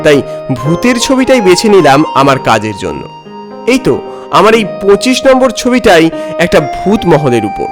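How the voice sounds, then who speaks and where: A man narrating a story dramatically in the first person. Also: high-pitched. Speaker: narrator and voice actor of an animated horror story.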